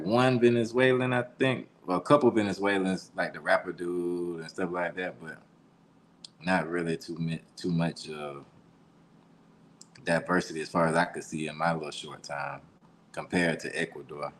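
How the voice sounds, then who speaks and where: A man's voice: sits low, a little hiss or hum. A man from the United States chatting casually as a co-host, slangy and rambling. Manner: laid-back, slangy, rambling. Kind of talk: casual chat.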